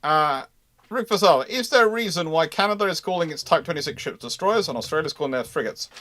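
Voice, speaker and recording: Male Q&A host, slightly high voice with lively swings, chatty explainer who slips in playful asides. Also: quick pace. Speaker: host answering viewer questions. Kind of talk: casual live Q&A discussion.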